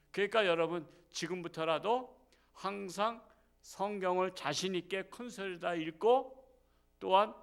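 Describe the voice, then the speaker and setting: A middle-aged male pastor giving a sermon, swinging from loud, slow scripture reading to soft, chatty, teasing asides with the congregation. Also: high voice, gravelly. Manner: plain-spoken, teasing, talks down-to-earth with the congregation.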